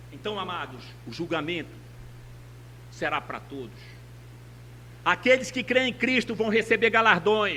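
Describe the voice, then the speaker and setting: A man speaks in a raised, projected voice at a high pitch, with a bright, sharp tone and lively intonation. His pace is fairly slow, with long, frequent pauses and big swings in loudness. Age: 60s. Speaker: pastor. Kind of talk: sermon.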